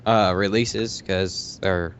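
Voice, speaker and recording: A man's voice: deep voice, steady tone, takes it slowly. A young man chatting casually, with a blunt, dismissive way of talking. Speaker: podcast panelist. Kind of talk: casual chat. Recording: muffled audio with faint background noise.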